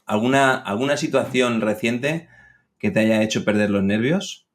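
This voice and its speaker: A man interviewing a guest in a friendly, playful way, with quick affirmations. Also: mid-range voice. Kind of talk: conversational interview.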